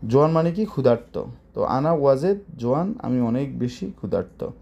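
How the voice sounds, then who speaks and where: Guy teaching a language lesson, warm low-key voice, repeats everything and quizzes you. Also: expressive, a little fast, vocal fry, muffled recording. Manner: explains word by word, often repeats phrases and asks questions. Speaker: Arabic teacher.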